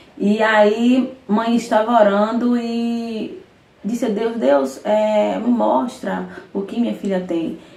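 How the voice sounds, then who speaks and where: With audible room echo, a woman speaks at a very slow pace. Her pitch is fairly high and her intonation lively. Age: 30s. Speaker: justice of the peace and worship minister. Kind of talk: testimony.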